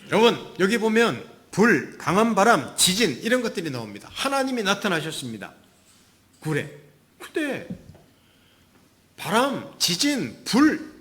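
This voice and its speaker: Korean pastor preaching, swinging loud to whispered. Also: male voice, fairly high pitch. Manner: dramatic shifts between loud emphasis and soft whispers; acts out quoted voices of God and Elijah. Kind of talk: sermon.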